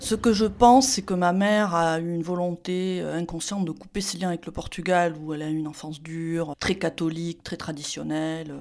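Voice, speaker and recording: This woman has a plain, everyday voice, fairly low in pitch, with ordinary pitch variation. She keeps a moderate pace with hardly any pauses. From southwest France (Landes), Portuguese parents. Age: 40s. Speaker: interviewee. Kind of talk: personal testimony.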